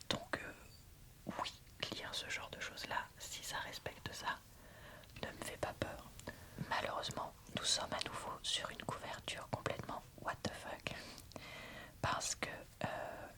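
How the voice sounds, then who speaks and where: Whispering woman, ASMR style. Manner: soft, unhurried, informal whispering. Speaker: book reviewer and video host. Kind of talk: whispered ASMR book review and reading.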